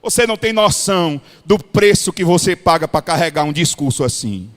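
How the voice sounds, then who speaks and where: A pastor from Ceará with a Cearense Brazilian accent, preaching a blunt, folksy sermon to other pastors. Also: male voice, fairly high pitch, lively intonation, moderate pace. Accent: Cearense Brazilian Portuguese. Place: large hall at a pastors' retreat. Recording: long hall reverb.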